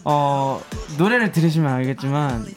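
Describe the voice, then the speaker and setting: A man's voice: fairly high pitch, expressive, moderate pace, faint music behind. A young man in his twenties, a singer guest, answering thoughtfully with many fillers. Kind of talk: interview answers.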